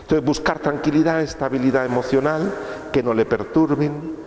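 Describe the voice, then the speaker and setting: A man's voice: fairly high pitch, fairly even intonation, moderate pace, a little mellow. A man giving a course lecture in a conversational way, asking rhetorical questions and checking in with his listeners. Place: lecture room. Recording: echoey hall, faint room noise.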